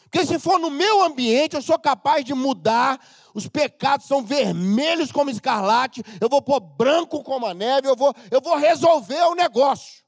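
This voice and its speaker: A middle-aged Brazilian man preaching a humorous, animated sermon as pastor of a church, sometimes breaking into shouts. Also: extremely high pitch, normal speed, dry recording, studio quality. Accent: Brazilian Portuguese.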